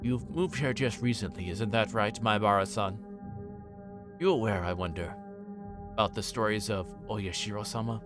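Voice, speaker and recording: A man's voice: fairly low pitch, normal speed, lightly acted. A man voicing a politely insistent older police detective with leading questions, as he reads a visual novel. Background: music behind the voice.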